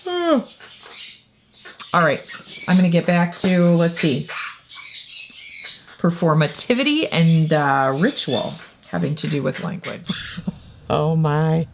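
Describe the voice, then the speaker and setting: A woman's voice: on the low side, lively intonation, unhurried, vocal fry, background noise. A woman, chatting casually to the camera at home in a rambling, self-correcting way. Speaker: vlogger and homeschooling mother. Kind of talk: casual vlog chat. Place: at home indoors.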